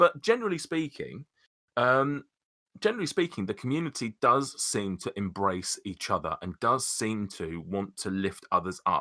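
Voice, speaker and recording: Bright and sharp in tone, this man's voice swings very widely in pitch. He talks at a moderate pace on a very clean recording with a silent background. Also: dry, close sound with no echo. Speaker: podcast host. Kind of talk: casual chat.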